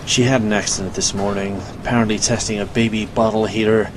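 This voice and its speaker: An actor playing a somber, apologetic police detective in a radio drama. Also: male voice, fairly low pitch, steady tone, fairly quick, background noise, lightly acted.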